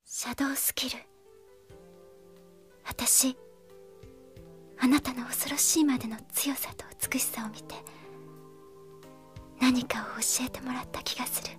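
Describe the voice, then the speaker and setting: Gentle, admiring girl, high and wistful, for anime radio drama over music. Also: steady tone, a little slow, long pauses, whispered. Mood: hushed awe. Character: gentle, earnest young girl, dreamy and admiring.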